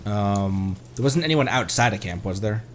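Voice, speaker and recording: A man's voice: fairly low pitch, animated, moderate pace, slight background noise. A man doing casual live commentary as he streams a video game. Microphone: streaming microphone.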